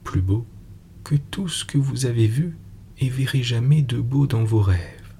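A man reading the lines of a calm, guarded woman governess called a fairy, in a slow, low, gravelly voice. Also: a little hiss or hum, natural voice. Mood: calm, secretive. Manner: tranquil, guarded, gently firm.

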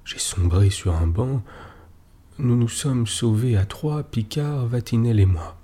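A man voicing a weathered older sailor back home after years away, speaking slowly and matter-of-factly. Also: mid-range voice, warm tone, husky. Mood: flat.

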